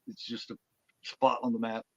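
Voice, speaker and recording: A man from Indiana, a former wrestler, telling animated, rambling stories as an interview guest and often repeating words. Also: mid-range voice, moderate pace, creaky, dry recording, lo-fi sound. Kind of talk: casual storytelling.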